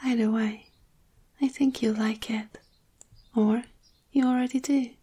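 A woman giving an intimate erotic ASMR monologue in a breathy whisper, with slow, sultry, pausing delivery. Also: on the high side, steady tone, mellow. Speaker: erotic audio performer.

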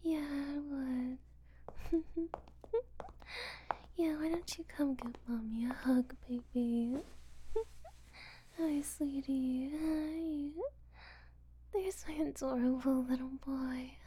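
A woman's voice: sits high, steady tone, slow, pauses often, dark tone. A woman whispering an intimate audio roleplay close to the microphone, teasing and possessive with frequent giggles.

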